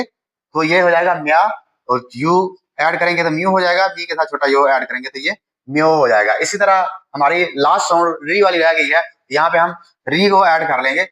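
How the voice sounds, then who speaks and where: Bright-voiced Pakistani Urdu-speaking teacher. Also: male voice, on the high side, low-quality recording. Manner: patient, step-by-step explaining. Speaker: Japanese language teacher. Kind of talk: whiteboard writing lesson.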